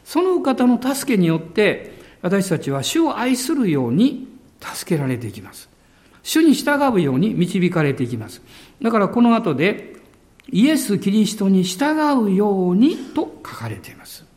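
Guy preaching a sermon, pretty high voice, stretches the big words out slow. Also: huge pitch swings, a little mellow. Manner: emphatic preaching, stretching key words slowly. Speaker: pastor.

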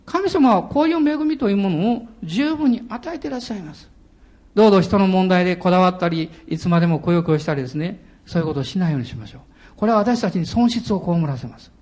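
A middle-aged man preaching a sermon as pastor, animated, laughing and shouting hallelujahs. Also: high-pitched, fast talker.

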